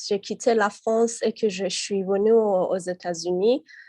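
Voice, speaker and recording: At a very slow pace, a woman speaks in a dark, mellow tone at medium pitch. The sound is dry and close with no echo, over a quiet background. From Iran. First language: Persian (speaking French). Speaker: conference participant, teacher. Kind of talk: audience contribution, personal anecdote. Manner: halting, many hesitations.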